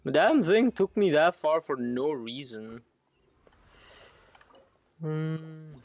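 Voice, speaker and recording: A man's voice: on the high side, expressive, slow pace, a little mellow. A man giving casual solo gameplay commentary as a livestreamer, muttering short, sparse remarks to himself. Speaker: game livestreamer.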